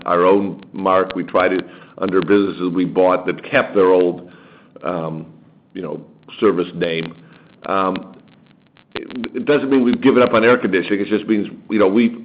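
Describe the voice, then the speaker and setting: A man speaking as a company executive on an earnings call, answering in a halting, rambling way with frequent restarts. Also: deep voice. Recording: muffled, lo-fi conference call with faint noise.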